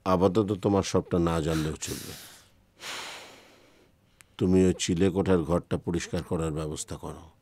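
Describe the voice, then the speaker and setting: An actor playing a shrewd middle-aged family patriarch and politician in a film drama, speaking with calculating authority. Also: male voice, sits low, fairly even intonation, moderate pace, long pauses, warm tone, breathy edge, no echo. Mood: calculating, stern.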